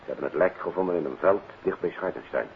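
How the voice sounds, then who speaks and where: Very deep, sober police official played by a man. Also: quick pace, narrow, tinny audio, natural voice. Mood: grave. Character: sober, formal police official bearing bad news. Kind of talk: 1950s Dutch radio drama acting. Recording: band-limited, noisy 1950s radio recording.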